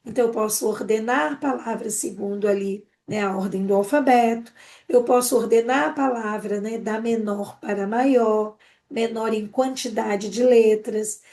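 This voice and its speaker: Brazilian woman, teacher trainer on a live stream, brisk and animated, slightly high. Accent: Brazilian Portuguese. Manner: quick, animated explaining with frequent "né?" tags.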